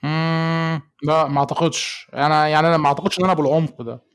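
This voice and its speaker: A man's voice: fairly high pitch, little pitch movement, very fast, smooth. A young man from Egypt with an Egyptian Arabic accent, a podcast guest talking in an easygoing way, searching for words as he reflects. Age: young adult. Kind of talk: casual podcast conversation.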